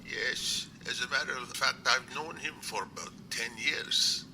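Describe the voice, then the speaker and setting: A man's voice: medium pitch, unhurried, natural voice. Man playing an earnest doctor, noisy recording. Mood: earnest, courteous. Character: earnest, courteous male doctor, secret Sasquatch researcher. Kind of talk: amateur audio drama acting. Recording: clear background noise.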